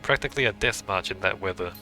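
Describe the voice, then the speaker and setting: A man's voice: low voice, fast, pushed and bright, soft background music, voice pushed down, low-quality recording. A man voicing a weary, put-upon male hotel waiter who gossips in a confiding way.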